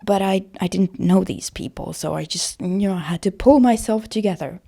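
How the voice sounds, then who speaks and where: Creaky-voiced woman chatting casually. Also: mid-range voice, moderate pace, warm tone. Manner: introverted, hesitant, self-conscious rambling. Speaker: voice actor vlogger. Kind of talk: casual personal vlog chat.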